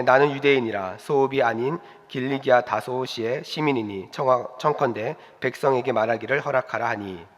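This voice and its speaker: A man reading a Bible passage aloud in a formal, measured way during a church service. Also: mid-range voice, fairly bright tone. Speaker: scripture reader. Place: church sanctuary. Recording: reverberant church hall.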